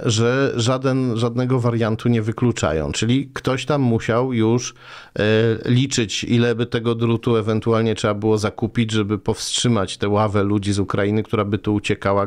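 Mężczyzna po czterdziestce, z nieco niskim głosem, rozmawia przy biurku ze studyjnym mikrofonem na ramieniu. Mówi z wieloma wahaniami i „e”, a jego uwagi są sarkastyczne. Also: male voice, fairly low pitch, darkish tone. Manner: hesitant, many fillers, sarcastic commentary. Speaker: interview guest. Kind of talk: political interview. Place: small dark studio. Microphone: boom mic on desk arm.

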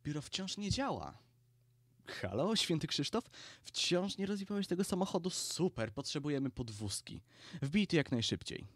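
Man doing a boastful skeleton voodoo god, higher-pitched, theatrical, dry close sound. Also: sing-song, normal speed, a bit bright, no echo. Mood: chatty.

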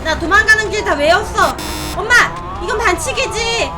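A woman live-streaming a horror game, scared and excitable, exclaiming and pleading dramatically as she plays. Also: very high-pitched, moderate pace. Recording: music behind the voice. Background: music.

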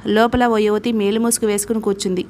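A woman narrating a novel as an audiobook, reading in a steady, even way. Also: mid-range voice, quick pace, slight background noise.

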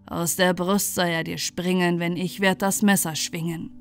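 A woman's voice: on the low side, flat delivery, moderate pace, voice pushed down, natural voice. A woman voicing a cruel, murderous lord in a fairy tale, commanding and impatient. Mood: cold threat. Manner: commanding, threatening. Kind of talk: fairy-tale storybook acting. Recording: music bed under the voice.

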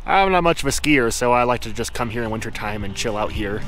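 A man casually narrating his travel vlog, cooking at his truck camper and then walking around town, in a relaxed, chatty way that often corrects itself mid-sentence. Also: medium pitch, quick pace, faint music behind, rough recording. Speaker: travel vlogger.

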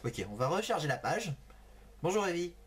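A man's voice: on the high side, big pitch swings, normal speed, husky. A man hosting a gaming video in casual commentary, laughing often and exclaiming while he types to a chatbot at his computer. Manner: giggly, exclaiming, talking to a chatbot.

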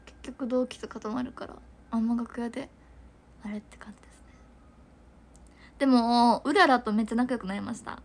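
A woman's voice: fairly high pitch, fairly even intonation, brisk, pauses often, a little hiss or hum. A young woman chatting casually to viewers on a livestream, giggling and rambling with lots of fillers. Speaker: idol livestreamer.

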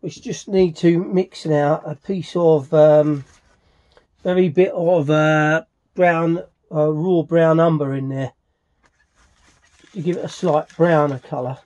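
Higher-voiced man giving a halting workshop tutorial. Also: fairly even intonation, darkish tone, dry recording, muffled recording. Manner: halting, thinking aloud while working. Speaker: furniture restorer demonstrating his work. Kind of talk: casual hands-on workshop tutorial. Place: small cluttered indoor workshop.

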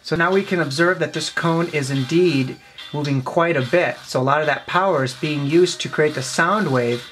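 A man in his twenties giving a casual hands-on explanation, a bit halting as he thinks aloud, recorded on a camera mic in a small office. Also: fairly high pitch, fairly bright tone, faint music behind. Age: 20s. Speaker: presenter of a tech demonstration. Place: small cluttered office indoors. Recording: clear background noise, clicks of handling.

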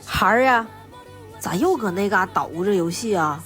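An exasperated game mother with a northeastern Chinese accent, nagging in a folksy way. She draws her words out at middling pitch, with faint music behind. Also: lively intonation, very slow, a bit bright.

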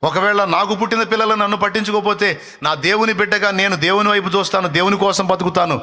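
A man's voice: sits high, fairly even intonation, very fast, bright, forceful tone. A male pastor preaching a fervent live sermon, impassioned and repeating phrases as he rebukes.

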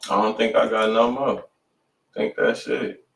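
A man's voice: fairly low pitch, fairly even intonation, a little slow. Echoey, distant American man livestreaming. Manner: slangy, profane. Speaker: host of a music review livestream. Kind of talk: casual livestream chat. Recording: echoey room, distant mic, faint noise.

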